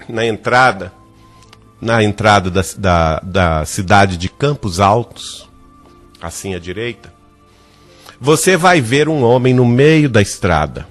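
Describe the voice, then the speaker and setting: A man voicing an elderly, gentle medium who speaks with soft, fatherly warnings. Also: fairly low pitch. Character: elderly gentle male medium, calm and protective.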